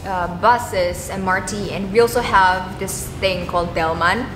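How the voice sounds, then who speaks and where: A woman's voice: mid-range voice, unhurried, music in the background. Chatty woman vlogging, echoey. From Indonesia. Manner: chatty, often asks viewers okay and right. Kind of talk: casual talk to camera.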